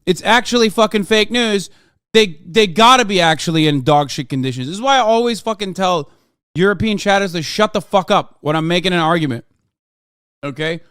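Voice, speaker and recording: A man's voice: high-pitched, animated, a little fast, a bit bright, clean tone, dry recording, clean studio sound. An American man streaming, reacting to a video with heated, profane ranting commentary. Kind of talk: casual livestream commentary.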